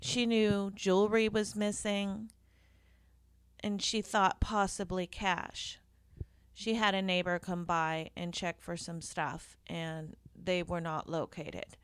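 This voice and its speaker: A woman, a professional organizer, hosting her own podcast and telling stories in a conversational, deliberate way with occasional fillers. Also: on the low side, flat delivery, clear, resonant tone, dry recording. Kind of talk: solo podcast storytelling.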